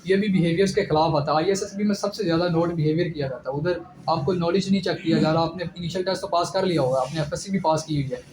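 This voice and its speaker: A young man with a high voice gives direct, instructive pointers in an informal lecture. The room rings with echo, and a steady background noise sits clearly under his voice. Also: fast, few pauses. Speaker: ISSB candidate giving advice.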